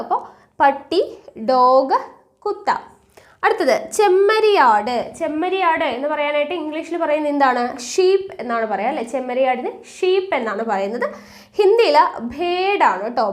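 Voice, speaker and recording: A woman from Kerala teaching a vocabulary lesson online. She asks her viewers questions and answers them herself, repeating each word slowly as a drill. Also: high voice. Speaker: language teacher.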